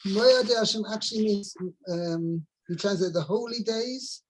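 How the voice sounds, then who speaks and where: Rabbi teaching Torah over a video call. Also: male voice, sits high, poor audio. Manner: unhurried, searching for words, mixes in Hebrew terms.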